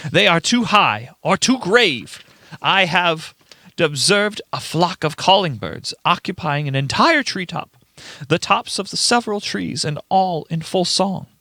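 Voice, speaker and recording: A man playing a frantic, paranoid old grandfather reading his diary aloud in a theatrical, halting horror radio-play style. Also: a little high, creaky, pushed and bright, dry recording, heavily acted. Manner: theatrical, halting, emphatic delivery.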